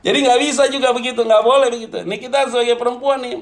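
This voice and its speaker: A man preaching to a congregation as pastor, animated and jokey, often turning to address his listeners directly. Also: very high voice, very fast. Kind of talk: lively humorous sermon.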